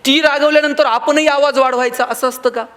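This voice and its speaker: This man's voice is extremely high and fairly bright, with a steady tone and a fairly quick pace. He has a Marathi accent and gives a motivational speech in a hall, telling stories and acting out conversations in other voices.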